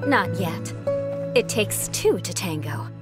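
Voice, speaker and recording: A woman's voice: lowish voice, very animated, slow pace. An actress playing a haughty, elegant young female knight in a game trailer, cool and teasing. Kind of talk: game character trailer voice-over. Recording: loud music over the voice.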